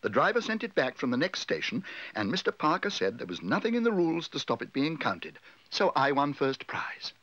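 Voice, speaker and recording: A man's voice: on the high side, very animated, a little fast, fairly bright tone, dry recording, dull audio, voice pushed up. A man voicing a polite, earnest, hopeful young bear in a children's storybook reading. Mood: helpful, pleased. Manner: courteous, eager, literal-minded.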